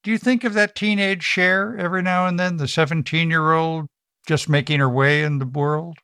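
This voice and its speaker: A man's voice: on the high side, fairly even intonation, moderate pace, bright, forceful tone, clean tone, dry recording, studio quality. A man hosting a radio interview, asking curious, friendly questions. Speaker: radio host.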